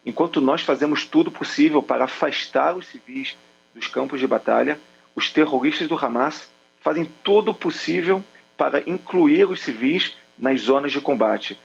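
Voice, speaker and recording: This forties-aged military spokesman, whose accent is from Rio de Janeiro, answers interview questions earnestly over a video call, often pausing on hesitation fillers. His voice sits a little high and sounds gravelly at a normal speed, though the audio is dull.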